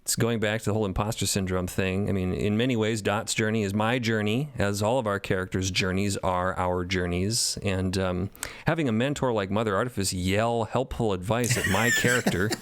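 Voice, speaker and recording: A man's voice: fairly low pitch, moderate pace, a bit bright, dry recording. A man, one of the show's creators, talking thoughtfully in a casual roundtable discussion and laughing easily. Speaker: podcast co-creator.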